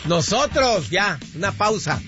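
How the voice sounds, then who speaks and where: A man's voice: high voice, big pitch swings, measured pace. A man hosting a radio talk show, teasing and joking with his co-host and sending out long lists of greetings. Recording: dull lo-fi radio broadcast with music behind.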